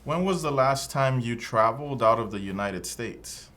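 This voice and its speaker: A man's voice: medium pitch, expressive, normal speed, fairly bright tone, close to an everyday voice. A man playing a formal immigration officer. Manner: formal, neutral questioning. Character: male immigration officer conducting an interview. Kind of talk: scripted practice dialogue.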